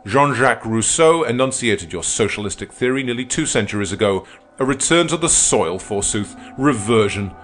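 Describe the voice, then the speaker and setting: A man's voice: medium pitch, animated, normal speed, a bit bright, soft background music, pitched above the performer's own voice. A man voicing a pompous older male lawyer who rants with scornful indignation. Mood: outraged. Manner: indignant, ranting oratory. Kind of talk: audiobook character reading.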